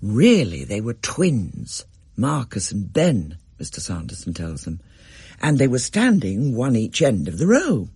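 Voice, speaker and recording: Expressive husky male storyteller. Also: lowish voice, measured pace, dry recording. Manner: gently storytelling, varied and expressive. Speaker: narrator. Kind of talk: scripted narration, storybook reading.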